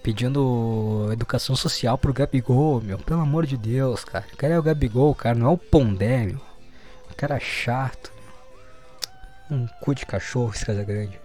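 A young man riffs on news articles in a loose, foul-mouthed, mocking way, breaking into laughter often. His voice sits at a middle pitch. Soft music plays quietly behind him. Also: normal speed. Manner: profane, sarcastic, laughs often. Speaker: streamer reacting to news. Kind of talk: casual commentary while reading news aloud. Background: faint music playing.

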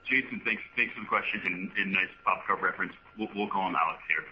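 A man answering investor questions as a finance executive, explaining in a measured way and often repeating words. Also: low-pitched. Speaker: finance executive on an earnings call. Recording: muffled, faintly noisy conference line.

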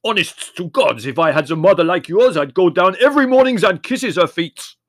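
A man voicing an excitable, loud driver who speaks in broken English. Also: high-pitched, fairly quick, faint music behind, voice pushed up. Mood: outraged. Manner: emphatic, loud, ungrammatical.

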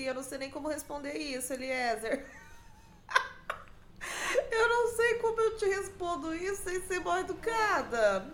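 A woman's voice: high-pitched, fairly bright tone, roomy sound, a little hiss or hum. A Brazilian woman hosting a podcast alone, chatting casually and mockingly with frequent laughs. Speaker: podcast host. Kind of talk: casual gossip monologue. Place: room at home.

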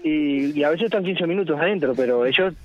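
A man's voice: fairly high pitch, fairly quick. Man, patchy phone line, muffled lo-fi sound, chatty anecdotes. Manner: chatty, wry anecdotal storytelling. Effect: choppy, patchy phone connection. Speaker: radio caller, bank teller. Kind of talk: casual phone-in chat. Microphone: telephone. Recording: dull lo-fi phone line, dry.

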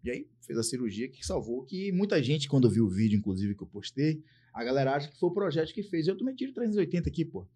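A fast-talking man from Brazil, guest on a relaxed podcast. He tells stories with a lot of energy, acts out other people's lines and curses often. His voice sits a little high for a man. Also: slightly rough. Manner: animated storyteller acting out dialogue, swears freely. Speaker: guest, police sergeant. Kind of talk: casual podcast chat, storytelling.

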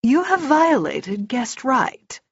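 A woman voicing a small male dark-elf warrior in an audiobook, calm, formal, measured and pitiless. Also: high voice, breathy edge, no room sound, highs cut off, pitched above the performer's own voice, heavily acted. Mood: calm, stern. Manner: formal, measured, quiet, emotionless.

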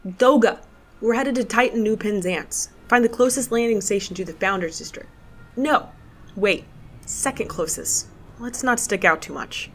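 An actress playing a wry, sharp-tongued, foul-mouthed space courier in an audio drama, talking in a sardonic, colloquial way. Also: female voice, mid-range voice, close to an everyday voice. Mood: brisk, businesslike. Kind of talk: first-person audio drama narration and dialogue.

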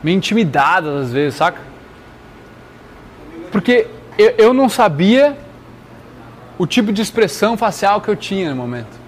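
High-voiced man giving earnest advice. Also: sing-song, moderate pace, long pauses, a little hiss or hum. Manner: slangy, earnest, addresses listener directly. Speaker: speaker sharing advice. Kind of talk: casual motivational talk.

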